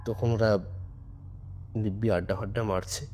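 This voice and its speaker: A man's voice: lowish voice, steady tone, moderate pace, warm tone. A man telling a story in an informal, conversational and suspenseful way, as on a ghost story podcast. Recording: music under the voice. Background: background music.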